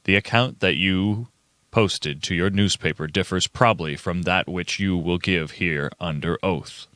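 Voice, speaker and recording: Man reading as a stern, low-spoken, formal coroner. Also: unhurried, pushed and bright, no echo. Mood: skeptical, formal. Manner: formal, grave. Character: stern, authoritative male coroner, formal and measured. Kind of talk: amateur radio play reading.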